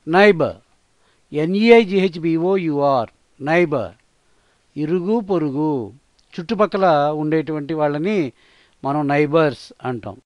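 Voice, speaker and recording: A man with a Telugu accent teaching English vocabulary, spelling each word letter by letter and repeating it slowly. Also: a little high, darkish tone, no echo. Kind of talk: slow vocabulary lesson, spelling and repeating words.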